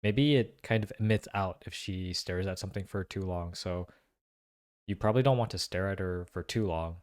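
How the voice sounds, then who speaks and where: A man hosting a casual reaction video, thinking aloud in slangy, excitable commentary. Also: sits low, normal speed. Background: faint music.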